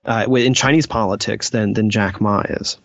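A man's voice: fairly low pitch, steady tone, normal speed, gravelly, a bit bright, dry recording. Hesitant man in slightly dull, dry audio. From United States. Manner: hesitant, searching for words. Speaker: podcast guest. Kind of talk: casual interview talk.

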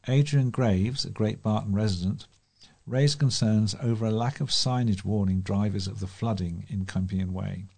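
A man's voice: lowish voice, gravelly, a little mellow, slightly rough. A man with a British accent reading local news aloud as a volunteer newsreader.

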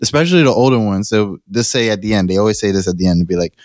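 A man's voice: on the low side, very fast, darkish tone, no room sound, studio quality. A man co-hosting a podcast, talking in a laid-back, casual way and laughing often. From United States. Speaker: podcast co-host. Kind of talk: casual chat.

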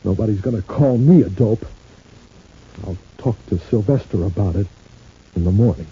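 Very husky aggrieved husband in a radio serial. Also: male voice, on the low side, normal speed, warm tone. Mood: stubborn. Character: aggrieved, gullible working-class husband, stubborn and proud. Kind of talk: old-time radio serial acting. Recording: muffled old radio recording.

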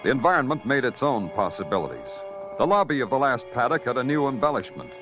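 An actor playing a hard-boiled detective in a 1950s radio drama, dry and sardonic. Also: male voice, mid-range voice, big pitch swings, quick pace, over music, lightly acted. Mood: brooding narration. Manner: sardonic, clipped. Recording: muffled old radio broadcast.

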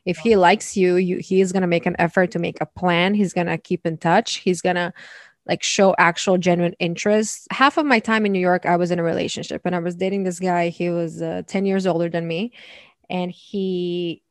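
A woman's voice: on the low side, steady tone, dry recording, studio quality. A young woman from Croatia, frank and chatty, talking casually as a guest in conversation. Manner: chatty, frank, quick asides with "like".

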